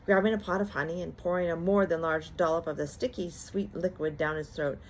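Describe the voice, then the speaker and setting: An older woman narrates a children's story at a middle pitch. She reads aloud as a storyteller would at bedtime. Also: steady tone, a little fast, a little hiss or hum.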